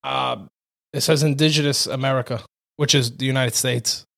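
A man's voice: mid-range voice, steady tone, normal speed, gravelly, a bit bright. A man co-hosting a podcast, chatting casually in a laid-back, slangy way with some swearing. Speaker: podcast co-host. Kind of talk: casual chat with a friend.

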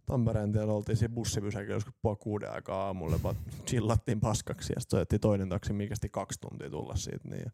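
A man's voice: on the low side, expressive, vocal fry, hardly any pauses, dark tone, no echo, studio quality. A man from Turku co-hosting a casual podcast chat, telling sweary, joking anecdotes. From Turku, Finland. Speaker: podcast co-host.

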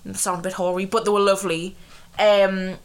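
An English woman co-hosting a podcast, telling animated stories in casual chat while congested with a cold. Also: medium pitch, brisk. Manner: animated storytelling, swears. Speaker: podcast co-host.

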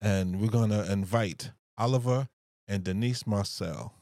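A man's voice: on the low side, measured pace, darkish tone, no echo, clean studio sound. A chuckling man hosting a podcast. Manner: friendly, chuckling, repeats himself. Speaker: podcast host. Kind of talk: casual chat.

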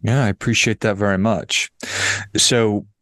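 A man's voice: lowish voice, fairly even intonation, a little slow, fairly bright tone, no echo. A man hosting an interview podcast, introducing his guest and asking short, friendly questions. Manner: friendly, brief prompting questions. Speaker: podcast host.

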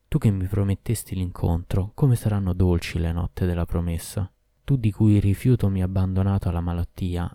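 A man's voice: low-pitched, gravelly, mellow, no room sound. A man voicing a passionate, cruel sorceress queen in a storybook reading, lamenting and pleading.

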